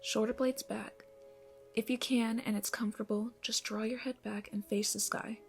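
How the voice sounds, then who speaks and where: A woman playing a gentle, encouraging yoga instructor in an ASMR roleplay, giving soothing, breathy instructions that often soften toward a whisper. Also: a little high, steady tone, moderate pace, soft background music. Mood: calm, encouraging. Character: gentle, encouraging female yoga instructor leading a morning class.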